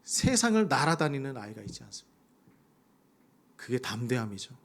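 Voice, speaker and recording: A man's voice: mid-range voice, very animated, fairly quick, gravelly, fairly bright tone. A male pastor preaching a sermon, acting out prayers in a raised voice. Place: church sanctuary.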